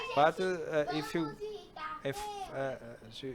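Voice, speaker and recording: A man talks with a Brazilian Portuguese accent and fairly even intonation. Noticeable background noise can be heard. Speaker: pop culture commentator. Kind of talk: video commentary. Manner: halting.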